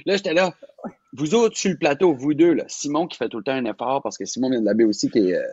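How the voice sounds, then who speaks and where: A man's voice: medium pitch, fast talker, darkish tone, husky, no echo, lo-fi sound. A man, co-hosting a live talk show and telling stories in a rambling, chatty way. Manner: chatty, rambling storyteller, mixes in English. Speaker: co-host, show writer.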